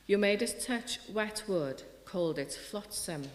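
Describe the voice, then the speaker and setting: Speaking a little slowly in an expressive mid-range voice, a middle-aged woman poet from Wales reads her work and talks earnestly at a festival. Her Welsh accent rings through the reverberant hall, and she frequently starts sentences over.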